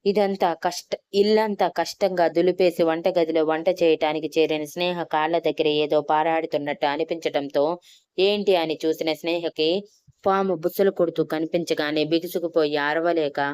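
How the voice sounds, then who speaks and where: A woman narrates a romance audio story with a steady reading. Her voice sits low and rings very clear, in a dry, close recording. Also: no room sound. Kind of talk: scripted narration.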